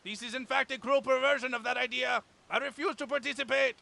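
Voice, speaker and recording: Self-important cartoon squad leader: heavy fry, bright edge, grandiose formal speech. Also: male voice, extremely high pitch, steady tone, fast, heavily acted. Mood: indignant. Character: pompous, self-important male military team leader.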